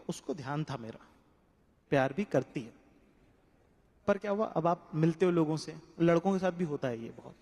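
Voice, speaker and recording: A man doing stand-up comedy in Hindi, telling a story with acted-out quotes and moving from hushed asides to shouting. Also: fairly high pitch. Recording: echoey hall with audience noise.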